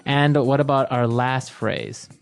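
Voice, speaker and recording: A man's voice: mid-range voice, takes it slowly, gravelly, clean tone, soft background music. Co-host man summing up phrases. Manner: prompts and sums up with short affirmations. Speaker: podcast co-host. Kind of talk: casual teaching chat.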